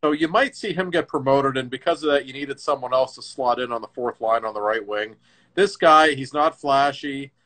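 Middle-aged guy chatting hockey, gets animated and punchy, voice jumps around a lot. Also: medium pitch, normal speed. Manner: animated storyteller, lively emphatic swings. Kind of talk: casual hockey chat.

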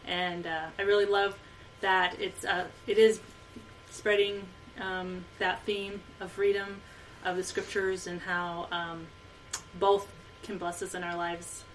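A woman's voice: on the low side, flat delivery, slow. Hesitant woman guest, heard from a distance. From Costa Rica. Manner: hesitant, with frequent ums. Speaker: guest, author and speaker. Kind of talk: casual interview. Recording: mic at a distance, faint noise.

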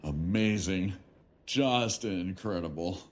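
An actor in an audio drama playing an arrogant, resentful lawyer son with a contemptuous, biting manner. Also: male voice, low-pitched, slow. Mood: mocking.

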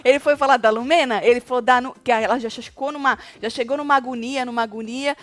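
A woman's voice: fairly high pitch, quick pace, no echo. A woman hosting a casual chat about a reality show, retelling scenes and acting out what people said. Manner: animated retelling, acting out quoted lines.

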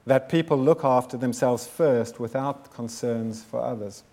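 A man's voice: mid-range voice, darkish tone. Earnest man in his fifties giving a speech. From South Africa. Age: 50s. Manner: measured, earnest, builds with repeated phrases. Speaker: founder giving a talk. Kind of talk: prepared speech to an audience.

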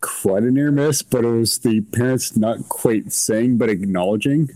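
A man co-hosting a podcast, telling stories in a joking, relaxed way. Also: mid-range voice, unhurried, no echo, low-quality recording. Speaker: podcast co-host. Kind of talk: casual chat.

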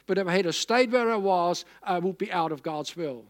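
A man's voice: high-pitched, moderate pace. A man in his sixties from Austria, a German speaker, preaching a sermon in a conversational, rambling way with emphatic repetition. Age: 60s. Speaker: pastor.

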